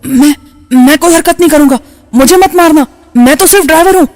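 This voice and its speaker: A man's voice: very high voice, expressive, fairly bright tone, big-room sound. A man voicing a frightened old male driver who stammers and pleads.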